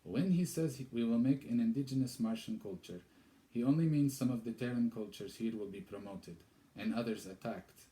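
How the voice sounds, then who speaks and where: A man's voice: mid-range voice, normal speed, dark tone, voice pushed up, lightly acted, rough recording. A man doing a wry old Arab man with an accent. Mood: scornful. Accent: Arabic. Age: older.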